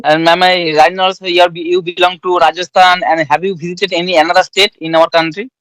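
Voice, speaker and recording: A man from West Bengal with an Indian accent, asking polite, halting questions with many restarts on an English practice call. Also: high voice, little pitch movement, fairly bright tone, no room sound, poor audio. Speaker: conversation partner asking questions. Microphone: online call.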